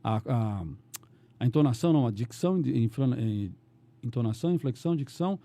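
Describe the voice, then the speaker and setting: Fast-talking rambling male radio announcer. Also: mid-range voice, no room sound. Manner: rambling, animated, restarts often. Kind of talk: casual podcast conversation.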